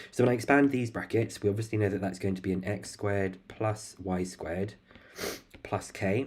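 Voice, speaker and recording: Speaking at a moderate pace in an English accent, the voice keeps a fairly even intonation. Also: man, fairly low pitch for a man. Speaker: maths tutor. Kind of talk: livestream tutorial. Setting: livestream.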